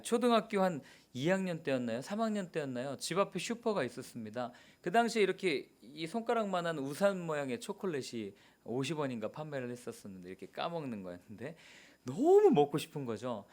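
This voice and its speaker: A male pastor giving a sermon, telling a childhood story and then rising to emphatic preaching. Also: a little high. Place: church sanctuary.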